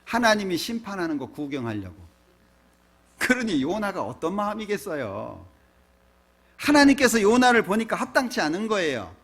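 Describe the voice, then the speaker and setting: A man's voice: sits high, big pitch swings, moderate pace, fairly bright tone. A man pastor giving a sermon in a church, preaching conversationally with frequent rhetorical questions to the congregation.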